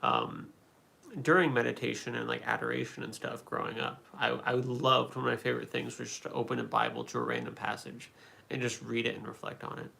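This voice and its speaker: A man's voice: mid-range voice, fairly quick, vocal fry, pushed and bright. A man hosting a livestream, chatting casually and answering comments, rambling with many fillers and restarts. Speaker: livestream host answering chat.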